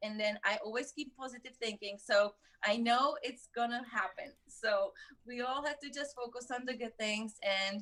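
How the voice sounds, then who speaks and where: A woman with a Czech accent speaks in a high pitch and a bright, sharp tone, at a moderate pace with fairly even intonation. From Czech Republic (Prague). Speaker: photographer. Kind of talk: casual chat.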